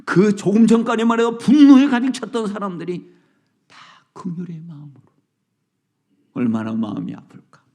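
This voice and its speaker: A male pastor preaching a sermon at an early morning prayer service, dramatic, dropping to whispers and rising to loud lines. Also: high voice, moderate pace, long pauses.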